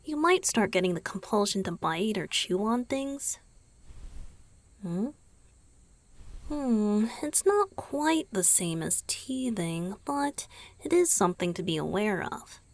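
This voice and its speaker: A woman voicing a gentle, caring young male vampire boyfriend in an ASMR roleplay, soft-spoken and often whispery, with murmured hums. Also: medium pitch, no room sound. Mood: gentle, explaining.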